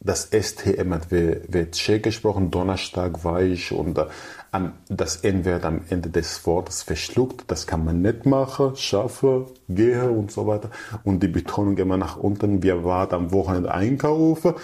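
A man's voice: sits low, moderate pace, warm tone. A young man from Syria, chatting as an interview guest in fluent but German, with many restarts. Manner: fluent but non-native, restarts, acts out quoted people. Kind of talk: casual interview chat.

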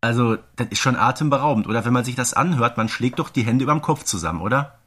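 A man's voice: mid-range voice, quick pace, a bit bright. A male podcast host with a mid-range voice, talking casually about audio drama. He is enthusiastic and stresses his points emphatically.

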